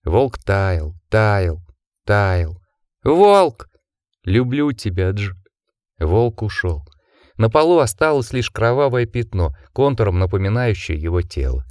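A man reading an audiobook in measured, even scripted narration. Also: lowish voice, no room sound, clean studio sound.

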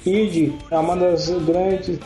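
Speaking slowly in a high, mellow voice with flat delivery, a young Brazilian podcast co-host with a Brazilian Portuguese accent chats casually, cracks jokes, swears freely, and laughs often. Faint guitar music plays in the background of the roomy, echoey home recording.

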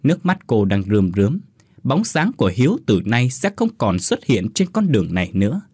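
Expressive husky-voiced male storyteller. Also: mid-range voice, normal speed, dry recording, clean studio sound. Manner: lively, expressive reading. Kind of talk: scripted story narration.

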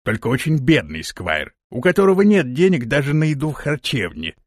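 Male narrator voicing a husky, laconic companion, audiobook, dry booth. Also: medium pitch, big pitch swings, fairly quick, dry recording. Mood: calm. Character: calm, unhurried adult male companion.

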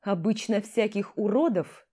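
A woman's voice: mid-range voice, measured pace, mellow, breathy edge. A woman reading an audiobook voices a hot-headed young male sniper who snarls defiantly in a brawl.

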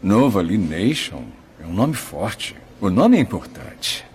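Film dub: kindly, earnest Brazilian photographer, lowish voice, faint noise behind. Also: male voice, big pitch swings, takes it slowly, a little mellow. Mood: friendly, curious. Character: kindly, earnest male photographer, gently advising. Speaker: dubbing actor.

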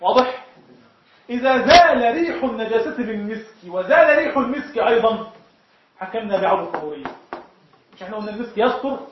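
A man's voice: high-pitched, lively intonation, fast talker, slight background noise. A man with an Egyptian Arabic accent teaching a jurisprudence lesson to students, explaining step by step and often checking whether the class understands. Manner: explains point by point, often asks the class if it is clear. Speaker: sheikh teaching Shafi'i jurisprudence. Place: lecture room with students. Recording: echoey, dull lo-fi room recording.

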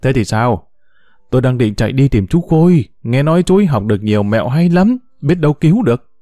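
A man's voice: mid-range voice, expressive, brisk, warm tone, dry recording, lightly acted. A man voicing a worried middle-aged village chief who talks in a hurry, in a storybook reading.

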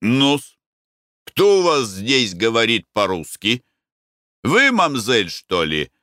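A man's voice: mid-range voice, wildly swooping pitch, slow, pushed and bright, dry recording, clean studio sound, full character voice. A man voicing a bluff, easygoing middle-aged Russian merchant with a blunt, hearty manner.

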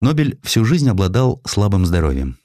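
Deep-voiced, expressive male storyteller. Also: normal speed, no echo, clean studio sound. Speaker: audiobook narrator. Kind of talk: dramatic scripted narration of a historical sketch.

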